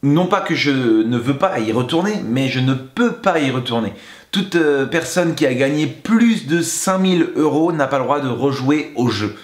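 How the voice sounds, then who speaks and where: A man's voice: medium pitch, expressive, moderate pace, echoey room. A man, a singer and YouTuber, answers fan questions in a playful, chatty vlog style. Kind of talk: casual vlog Q&A.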